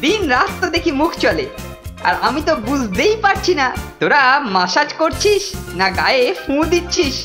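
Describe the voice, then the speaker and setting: A woman's voice: high-pitched, very animated, moderate pace, music in the background. A woman voicing a sly, lazy, demanding schoolboy bully who likes to whine and scheme in a children's cartoon. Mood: bossy. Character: sly, bossy, lazy older schoolboy bully faking illness.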